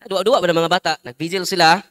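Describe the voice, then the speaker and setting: A Catholic priest giving a humorous sermon, teasing the congregation and telling stories. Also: male voice, sits high, fairly even intonation, rapid-fire, fairly bright tone. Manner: jokey, teasing the congregation, mixing in English phrases.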